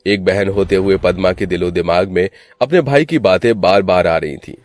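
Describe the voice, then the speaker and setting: Low-voiced man narrating a dramatic cartoon. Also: normal speed, faint music behind.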